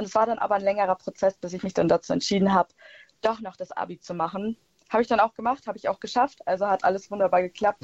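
A woman at medium pitch, fairly even in intonation, at a very fast pace. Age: 20s. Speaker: student, youth camp volunteer. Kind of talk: personal faith testimony in radio interview.

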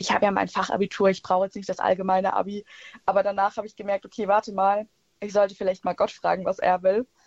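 The sound is dry and close, with no echo. A woman at medium pitch talks at a very fast pace in a monotone, flat intonation. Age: 20s. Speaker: student, youth camp volunteer. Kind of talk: personal faith testimony in radio interview.

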